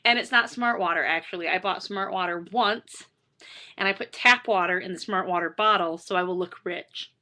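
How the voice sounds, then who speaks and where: Hoarse, chatty woman. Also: on the low side, normal speed, bright, forceful tone. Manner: self-deprecating, chatty, lots of fillers and restarts. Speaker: author reading her book. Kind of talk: casual rambling chat.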